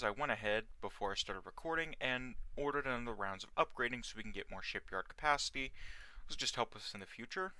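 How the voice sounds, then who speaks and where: A man giving casual, unhurried let's play commentary in a slightly hoarse, sore voice, recorded as a voice-over. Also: mid-range voice, bright, forceful tone, no room sound, poor audio. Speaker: host of a video game series. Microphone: close dry mic, gameplay voice-over.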